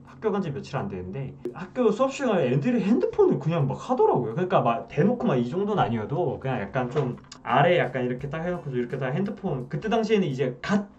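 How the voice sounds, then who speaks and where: A man's voice: fairly high pitch, quick pace, few pauses. A man in his twenties from South Korea, casually telling a story to camera and acting out the scenes. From Wonju, South Korea. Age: 20s. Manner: animated, acts out scenes. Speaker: vlogger. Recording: dull sound, slightly distant, music behind.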